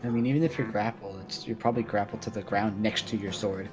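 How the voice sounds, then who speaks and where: A man's voice: fairly low pitch, steady tone, fast, music in the background, low-quality recording. A man chatting casually as a player in a tabletop roleplaying game. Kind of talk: casual chat during a game.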